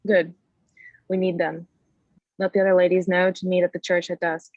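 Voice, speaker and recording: An actress plays a protective woman, steady and commanding, with a gravelly creak in her voice. It is a drama table read with a dry, slightly dull sound. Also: on the low side, normal speed, no room sound. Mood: firm, urgent. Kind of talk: screenplay table read acting.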